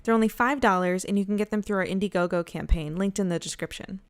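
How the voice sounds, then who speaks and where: A woman's voice: medium pitch, fast, smooth. A woman giving an informal promotional announcement for a podcast. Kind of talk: casual podcast promo read.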